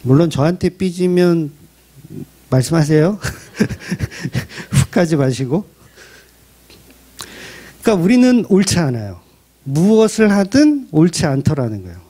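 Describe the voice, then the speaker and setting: Lively, high-pitched male pastor preaching. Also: measured pace, long pauses. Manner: conversational preaching with rhetorical questions and humor. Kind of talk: sermon. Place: church.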